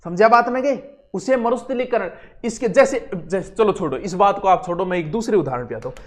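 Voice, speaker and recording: Rajasthani man teaching a lively lesson. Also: sits high, brisk. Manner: chatty, mixes local dialect and homely examples. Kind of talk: exam-prep geography lesson.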